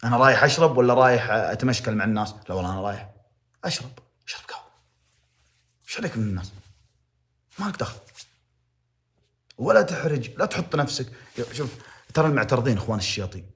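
A man's voice: mid-range voice, animated, rapid-fire, a bit bright. A young man with a Saudi accent giving impassioned, moralizing livestream commentary, repeating phrases to press his point. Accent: Saudi Arabic.

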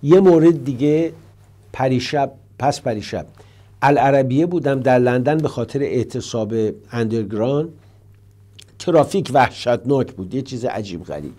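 A man's voice: medium pitch, expressive. An older man hosting a call-in talk show, answering callers earnestly and telling stories. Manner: warm, storytelling, earnest.

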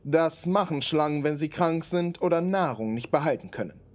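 A man's voice: on the high side, expressive, moderate pace, a little mellow, lightly acted. An actor playing a firm, know-it-all male police inspector in a radio play, authoritative and precise. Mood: matter-of-fact.

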